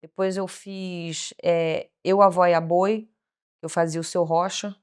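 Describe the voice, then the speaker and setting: A woman's voice: fairly low pitch, unhurried, clean tone. A woman guest, an actress and singer, chatting casually in an interview and acting out the lines of the people in her stories. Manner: animated storyteller, acts out quoted dialogue.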